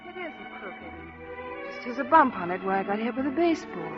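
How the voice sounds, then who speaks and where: An actress playing a bitter, sharp-tongued young woman in a 1940s-style radio drama. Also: on the high side, sing-song, normal speed, over music. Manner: cutting, bitter. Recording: dull lo-fi old radio recording.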